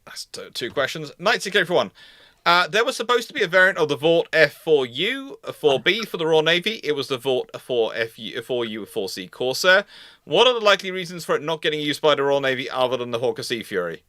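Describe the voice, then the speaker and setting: A man's voice: a little high, sing-song, sharp tone, no room sound, studio quality. A man hosting a live history question-and-answer discussion, speaking off the cuff and often rephrasing himself mid-sentence. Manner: halting, self-correcting, rephrasing mid-sentence. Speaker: host of a naval history live Q&A.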